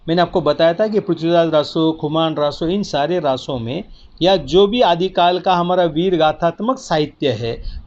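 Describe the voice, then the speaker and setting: Male teacher, lecture, dull lo-fi sound. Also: on the high side. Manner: explanatory, repeats key words, asks "है ना". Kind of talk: spoken lecture.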